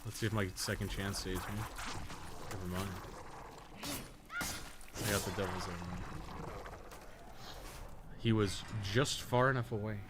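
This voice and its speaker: A man's voice: fairly low pitch, big pitch swings, slow, long pauses. A man giving casual, rambling commentary on a gaming livestream, with slangy speech and frequent swearing. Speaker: livestreamer, podcast co-host. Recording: noticeable background noise.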